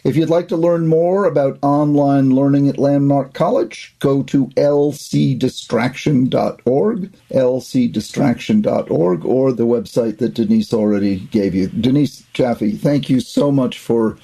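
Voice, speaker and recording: A man's voice: medium pitch, a little slow, gravelly, hardly any pauses, warm tone. A man hosting an interview podcast in an effusive, encouraging way. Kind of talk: warm interview conversation.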